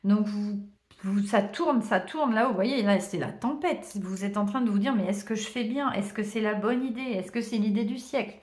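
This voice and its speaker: A woman giving a casual tarot card reading to her viewers, chatty and hesitant, often pausing with "euh". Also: medium pitch. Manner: chatty, warm thanks, many hesitations and small laughs. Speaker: tarot reader. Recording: roomy echo.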